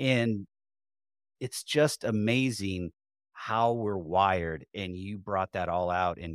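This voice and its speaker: A man with a fairly low pitch uses a normal speaking voice. The recording is very clean with a silent background and a dry, close sound with no echo. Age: 40s. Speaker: podcast host. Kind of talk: interview conversation.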